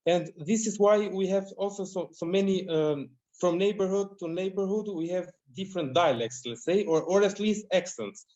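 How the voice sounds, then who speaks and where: Young man, Albanian accent, video call discussion, fairly high voice, lo-fi laptop audio, halting delivery. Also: a little mellow. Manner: hesitant, many fillers and restarts. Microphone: laptop mic on video call.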